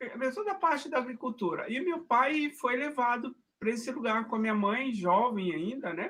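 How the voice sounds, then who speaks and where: Lively in intonation and extremely high in pitch, a man talks at a moderate pace with hardly any pauses. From Brazil, Minas Gerais (Triângulo Mineiro). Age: 70s. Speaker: capoeira master. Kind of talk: interview, life story. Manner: halting, many false starts.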